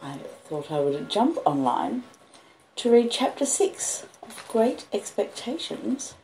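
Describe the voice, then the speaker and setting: A woman with an Australian accent chats casually as host of a livestreamed book reading, rambling along with halting pauses. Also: medium pitch, sing-song, mellow. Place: front room of a house with street noise. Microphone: phone and an old laptop. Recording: noisy home phone recording. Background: street noise, house creaks, puppy, lo-fi beats.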